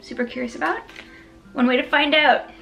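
A woman's voice: high voice, steady tone, brisk, gravelly, a bit bright, soft background music. A woman hosting a mukbang, chatting casually about desserts while chewing and tasting. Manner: chatty and self-deprecating, talks while chewing. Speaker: food vlogger.

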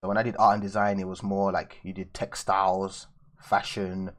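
A man's voice: sits low, level tone, normal speed. A young man with a London accent, chatting casually with viewers in a live stream as he draws at his desk. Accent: London English. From raised in London, England. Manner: loose and chatty, answering viewers. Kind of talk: casual live-stream chat while drawing. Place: indoors at a drawing desk.

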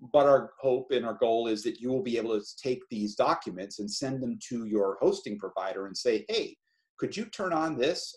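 A man's voice: medium pitch, a little mellow. A man giving an informal, explanatory webinar presentation as a project lead on a video call. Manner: conversational, explanatory.

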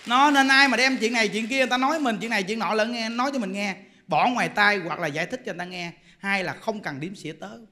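A man preaching a lively Dharma talk, constantly checking in with rhetorical questions. His voice sits high and sounds bright and forceful. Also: fast talker. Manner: animated, teasing, full of rhetorical questions. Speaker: Buddhist monk.

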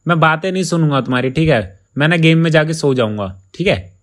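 A man's voice: a little high, lively intonation, a little fast. A young man hosting a gaming prank video, chatting casually and pleading playfully with his teammates. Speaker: gaming YouTuber host.

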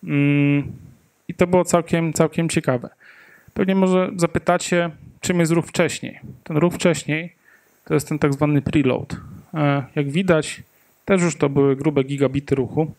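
A man's voice: on the high side, steady tone, measured pace, darkish tone. A man in his thirties giving a tech meetup talk into a handheld mic in a conference room, hesitant with many fillers and joking asides. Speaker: conference speaker. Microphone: handheld microphone.

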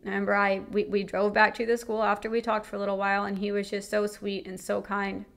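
A woman's voice: mid-range voice, monotone, fast talker, gravelly, fairly bright tone. A young woman giving an earnest personal faith testimony, speaking frankly about her own experiences.

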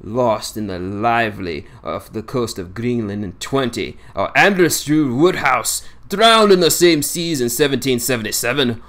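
A man's voice: medium pitch, fairly bright tone. A man voicing a boastful, grumbling old seaman in broad dialect, in an audiobook reading. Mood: reminiscing. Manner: broad dialect, scornful ranting.

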